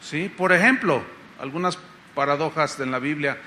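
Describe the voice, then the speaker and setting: A middle-aged Mexican pastor preaching a sermon in a conversational style, often asking the congregation rhetorical questions. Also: male voice, fairly high pitch, moderate pace, sharp tone, slight background noise. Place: church congress hall.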